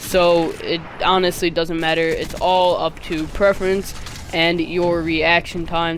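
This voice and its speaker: A high-pitched man amid noticeable background noise. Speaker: gaming YouTuber. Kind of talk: tutorial. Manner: halting; casual.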